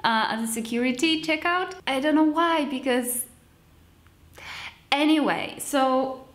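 A woman's voice: high voice, measured pace, fairly bright tone. A young adult woman, chatting casually and cheerfully to camera like a vlogger. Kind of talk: casual vlog chat to camera. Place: sparsely furnished room with wooden floor, indoors. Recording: roomy echo.

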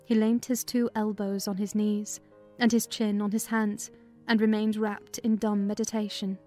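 A woman reads a dramatized storybook narration in a medium-pitched voice. Faint music plays behind her. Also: level tone, normal speed, warm tone. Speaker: audiobook narrator.

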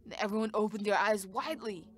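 A woman's voice: mid-range voice, fast talker. A woman giving live interpretation of a sermon, speaking in short bursts with frequent restarts.

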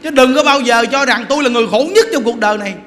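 A Buddhist monk giving an animated sermon, joking as he tells stories and addresses the audience directly. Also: very high-pitched, racing, in a large hall. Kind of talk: lively sermon.

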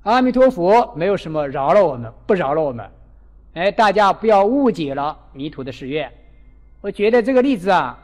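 Guy with a pretty high voice preaching a buddhist talk, animated storyteller, long echo like a big hall. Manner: animated, acts out quoted characters. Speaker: Buddhist dharma teacher. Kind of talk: storytelling sermon.

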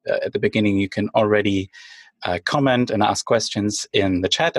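Brief: male podcast host, low voice, chatty, moderating a panel. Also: slightly rough, no echo. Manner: friendly, filler-heavy, quick asides. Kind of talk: hosting a live podcast panel. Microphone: video call.

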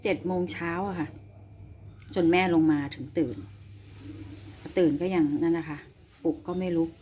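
A woman's voice: lowish voice, steady tone, normal speed, warm tone, slight background noise. A woman pet vlogger chatting casually and teasingly to her sleeping dog, often amused.

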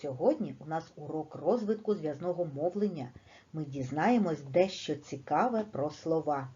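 A woman teaching a lesson to young children, speaking slowly and stressing each word with a lively, sing-song lilt. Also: sits low. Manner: slow and deliberate, stressing words emphatically. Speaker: primary school teacher. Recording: dull, lo-fi recording.

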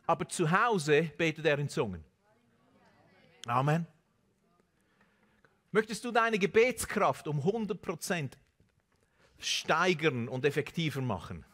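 A man in his forties preaching a sermon on a large church stage through a headset mic, animated and peppered with Amen and Hallelujah. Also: fairly high pitch, takes it slowly, long pauses. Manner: animated preaching with Amen and Hallelujah interjections, mixing in English words. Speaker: pastor.

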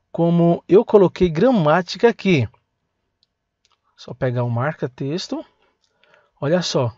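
A man with a Brazilian Portuguese accent teaching English to beginners, saying words slowly and having learners repeat them. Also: fairly high pitch, no room sound, dull audio. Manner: slow, drilling words for learners to repeat, breaks in to grab his pen. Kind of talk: language lesson for beginners.

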